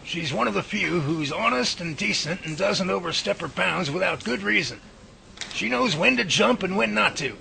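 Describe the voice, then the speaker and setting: A man playing an earnest, guarded professor in a radio drama, with a folksy, deliberate delivery. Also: high voice, animated, vocal fry, bright, forceful tone, exaggerated voice, poor audio. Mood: reassuring. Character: earnest, guarded male professor researching Bigfoot. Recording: faint background noise.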